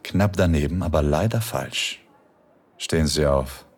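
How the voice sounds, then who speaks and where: A deep, husky, commanding professor. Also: male voice, exaggerated voice. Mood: stern. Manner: slow, measured, quietly commanding. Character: commanding male philosophy professor, calm and seductive. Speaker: philosophy professor tutoring Spanish. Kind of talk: erotic audio drama acting.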